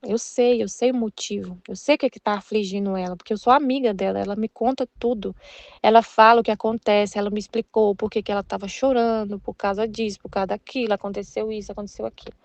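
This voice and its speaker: A woman's voice: medium pitch, fairly even intonation, fast, darkish tone, no room sound. A woman with a Brazilian Portuguese accent leading a Catholic study in an earnest, conversational, repetitive way. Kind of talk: casual religious teaching.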